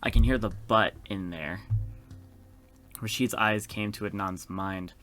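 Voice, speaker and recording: A man's voice: fairly low pitch, steady tone, unhurried, a bit bright. A man in his twenties reading visual novel narration aloud as a let's play host, breaking into casual, sweary reactions. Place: small room indoors with gaming setup. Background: game music.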